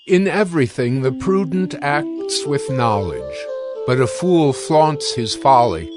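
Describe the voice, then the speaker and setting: A man of medium pitch reads scripture as a narrator. He goes slowly and deliberately, with a declarative delivery suited to a dramatized audio Bible. Music plays clearly underneath. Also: animated. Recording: instrumental music bed. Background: instrumental music.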